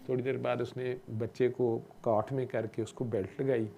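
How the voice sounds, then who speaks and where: A man telling a long personal story in a relaxed, conversational way. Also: mid-range voice, vocal fry, a little hiss or hum. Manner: relaxed conversational, often asks "okay?". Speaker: doctor. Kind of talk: casual storytelling talk.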